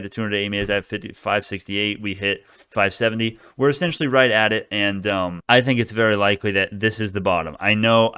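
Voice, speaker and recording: A man's voice: lowish voice, fairly bright tone, clean tone, no room sound, clean studio sound. A man giving casual stock market commentary as a video host, talking in a brash, informal, profane crypto-bro way.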